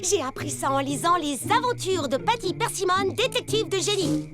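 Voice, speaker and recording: An excitable cartoon sleuth, a young woman who throws herself into every case. Her voice sits very high and leaps around dramatically. Loud cartoon music plays under her lines. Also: normal speed. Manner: theatrical, dramatic exclamations. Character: Baba Hortensia, excitable young woman fancying herself a detective. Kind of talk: French cartoon dub.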